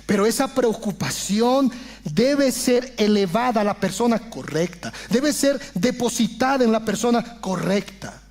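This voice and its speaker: Man, pastor, very high voice, impassioned sermon to his congregation. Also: animated, measured pace, darkish tone. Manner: impassioned preaching, often addressing the congregation as brothers. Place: church.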